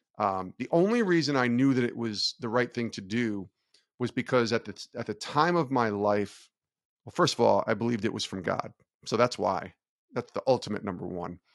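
An unremarkable speaking voice moves at a moderate pace with lively intonation. The sound is dry and close with no echo, over a quiet background. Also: man, medium pitch for a man. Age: 40s. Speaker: sports media director and podcast host. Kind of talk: interview.

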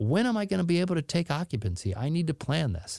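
Recorded very cleanly against a silent background, a man speaks at a very fast pace in a dark, mellow tone with very wide pitch swings, the sound dry and close with no echo. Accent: American. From Northern Virginia. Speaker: magazine editor. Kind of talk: interview conversation.

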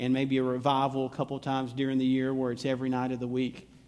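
Medium in pitch, the man's voice carries a Southern US accent. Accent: Southern drawl. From Alabama. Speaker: guest preacher. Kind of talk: sermon. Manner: halting.

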